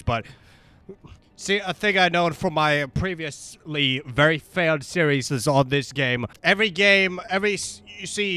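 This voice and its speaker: A man giving casual gameplay commentary in a rambling, irreverent, animated way. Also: on the high side, clean tone, no echo. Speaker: video game streamer.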